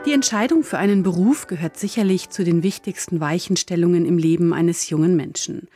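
A woman introduces a radio program in a measured, formal voice. Soft music plays faintly behind her. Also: lowish voice. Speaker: radio presenter. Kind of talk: scripted radio presentation.

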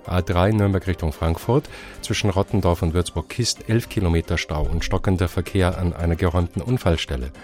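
Low-voiced male radio newsreader. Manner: even, matter-of-fact delivery. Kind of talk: scripted news and traffic reading. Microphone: studio microphone.

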